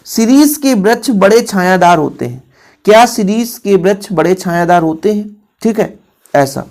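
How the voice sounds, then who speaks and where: Gravelly-voiced teacher. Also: male voice, sits high, animated, moderate pace, darkish tone. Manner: emphatic, repeats examples and keeps checking in with the students. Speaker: Hindi teacher. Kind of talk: exam-prep lesson.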